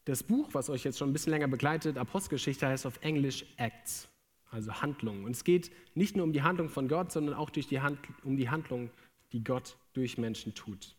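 A man's voice: mid-range voice, fairly quick. Young man preaching in a reverberant hall. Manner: casual, humorous preaching with everyday slang. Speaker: preacher, theology student. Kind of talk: sermon. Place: large room with an audience.

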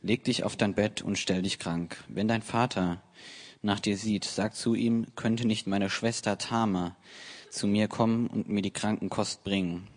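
A man's voice: lowish voice, fairly even intonation, a little slow. A crafty, coaxing adviser, read by a man.

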